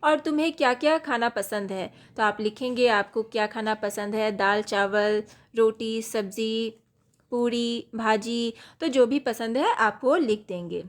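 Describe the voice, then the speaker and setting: Slow, patient woman teaching small children. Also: fairly high pitch. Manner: patient, explains step by step, asks and answers her own questions. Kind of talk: slow worksheet lesson for young children.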